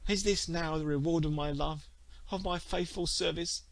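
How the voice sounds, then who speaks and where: A man's voice: fairly high pitch, fairly even intonation, normal speed, pitched above the performer's own voice, natural voice. A man voicing an anguished, vengeful young woman, wailing melodramatically in an archaic storybook tale. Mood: furious grief. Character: anguished, vengeful young wronged woman lamenting her betrayal. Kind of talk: dramatic archaic storybook reading.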